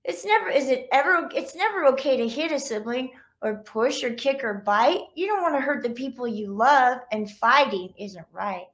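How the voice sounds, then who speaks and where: A woman's voice: high-pitched, expressive, moderate pace, hardly any pauses, a bit bright. A woman voicing a loving but firm mother dog in a children's storybook, giving patient, rhyming advice to her pups. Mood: gentle, instructive. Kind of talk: children's picture-book read-aloud.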